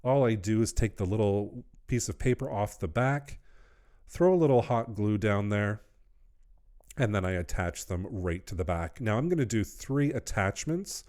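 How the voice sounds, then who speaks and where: A man's voice: fairly low pitch, expressive, moderate pace, darkish tone. A middle-aged man hosting a wreath-making tutorial, explaining each step in an upbeat, instructional way. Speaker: wreath-making channel host. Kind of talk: craft tutorial voice-over.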